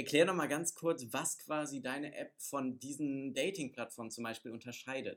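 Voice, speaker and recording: An ordinary speaking voice at a moderate pace, with ordinary pitch variation and hardly any pauses. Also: man, fairly high pitch for a man. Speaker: student entrepreneur acting as interviewer. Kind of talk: casual interview. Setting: recording late at night.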